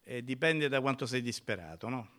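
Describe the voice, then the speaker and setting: A male pastor preaching a sermon in a church, emphatic, swinging from loud cries to near whispers. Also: mid-range voice, lively intonation, normal speed.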